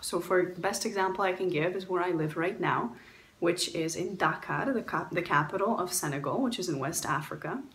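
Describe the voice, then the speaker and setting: A woman's voice: fairly low pitch, brisk, fairly bright tone, echoey room, a little hiss or hum. A woman from Poland, raised in Canada, giving earnest travel advice with frequent fillers and restarts. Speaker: guest traveler sharing advice. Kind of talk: recorded talk answering questions.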